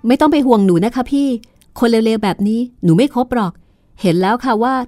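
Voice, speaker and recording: A woman's voice: on the high side, animated, a little fast, warm tone, dry recording, clean studio sound, pitched above the performer's own voice, close to an everyday voice. Polite firm younger sister, read by a woman. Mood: resolute.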